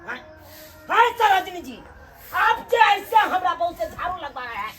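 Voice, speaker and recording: A woman with a Maithili accent playing an indignant young husband in a village comedy skit, loud and scolding. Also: very high voice, very animated, normal speed, crowd noise. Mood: angry.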